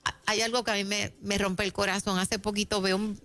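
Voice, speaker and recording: A woman's voice: medium pitch, little pitch movement, brisk, a bit bright. A woman with a Puerto Rican accent giving a conversational faith teaching on Christian radio, chatty and laughing between points.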